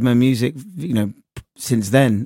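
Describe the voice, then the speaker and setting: Recorded very cleanly against a silent background, a man speaks in a dark, mellow tone with a dry, close sound with no echo. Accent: Suffolk. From Suffolk, England. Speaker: singer-songwriter. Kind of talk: interview conversation. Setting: studio.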